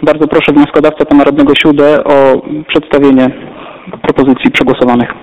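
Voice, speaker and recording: A man chairing a council meeting, calling votes in a brisk, formal, polite manner. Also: on the high side, level tone. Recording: echoey council chamber, dull lo-fi sound.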